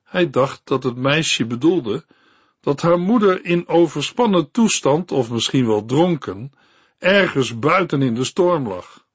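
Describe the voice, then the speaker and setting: Male narrator, christian story reading, calm and measured, slow, fairly high voice, dry close sound. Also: husky, dry recording. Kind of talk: read-aloud Christian story.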